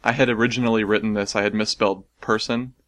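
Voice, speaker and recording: A man's voice: lowish voice, little pitch movement, fast talker, a bit bright, dry recording. An American man hosting a casual podcast, rambling and self-deprecating, laughing often. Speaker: podcast host.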